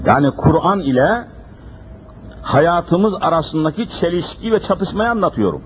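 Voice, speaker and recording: A man's voice: fairly high pitch, big pitch swings, unhurried. A man preaching a sermon at a pulpit microphone, emphatic and full of repeated rhetorical questions. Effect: speaking at a pulpit microphone. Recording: dull lo-fi recording with faint hiss.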